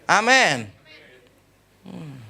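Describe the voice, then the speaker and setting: A middle-aged man preaching a sermon as pastor, lively and joking, shifting between loud exclaims and slow, quiet emphasis. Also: high-pitched, vocal fry, husky.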